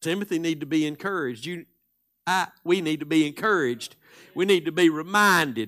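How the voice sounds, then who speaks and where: On a very clean recording with a silent background, a man with a fairly high pitch and an American accent speaks at a fairly quick pace in a bright, sharp tone with ordinary pitch variation. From Northeast Texas. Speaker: preacher. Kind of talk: sermon. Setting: church.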